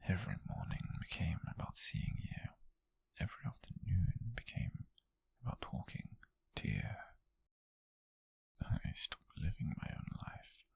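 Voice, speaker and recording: Whispering, gravelly obsessive male captor acted by a man. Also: sits low, very animated, dry recording, full character voice. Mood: regretful, obsessive. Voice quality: breathy, husky, gravelly whisper. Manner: slow, halting confession with sighs. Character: obsessive, lovesick male captor, pleading yet menacing. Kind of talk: intimate whispered audio roleplay monologue.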